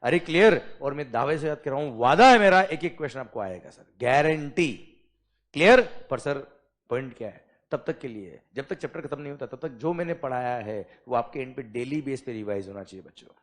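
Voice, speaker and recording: A middle-aged man teaching a classroom of students, lively and constantly checking that they follow. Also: medium pitch, fairly quick. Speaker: tax lecturer. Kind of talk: classroom lecture in Hindi-English mix.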